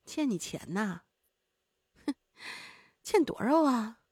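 Casting: a woman as a sly, sneering cannibal woman. She speaks low and drawn out, with a lively lilt and a dry, close sound. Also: slow pace, husky, no room sound, heavily acted. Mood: mocking.

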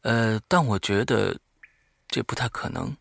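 A man's voice: medium pitch, measured pace, gravelly, a bit bright, dry recording, studio quality. A man hosting a horror audio show, reading a diary aloud dramatically and breaking off for offhand, muttered asides.

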